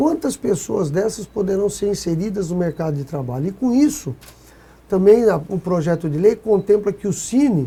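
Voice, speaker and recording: A man speaks at a high pitch in a dark, mellow tone, with lively intonation. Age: 60s. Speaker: senator and businessman. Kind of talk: interview.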